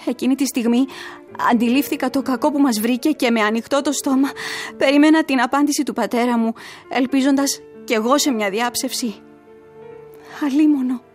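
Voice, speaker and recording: Young woman voicing a grieving daughter, earnest, emotional, fairly high voice, soft music behind. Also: lightly acted. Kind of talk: radio drama with narrated letter.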